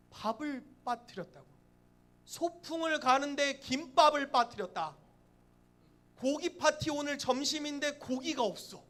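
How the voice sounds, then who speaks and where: A man with a fairly high voice delivers a sermon from the pulpit, lively and expressive, slipping into acted voices and breaking into laughter. A faint hiss sits under the church recording. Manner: lively, acts out quoted voices, laughs often. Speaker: pastor.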